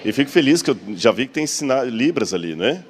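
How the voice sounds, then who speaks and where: A man's voice: medium pitch, very animated, fairly quick. A man preaching a sermon in a full church, talking conversationally, joking with the congregation and posing rhetorical questions.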